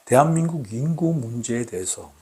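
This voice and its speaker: A man hosting his own channel, talking to camera in a formal, deliberate way with many repeated rhetorical questions. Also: mid-range voice, animated, darkish tone. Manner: repetitive, emphatic rhetorical questions. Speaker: channel host. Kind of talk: solo talk to camera.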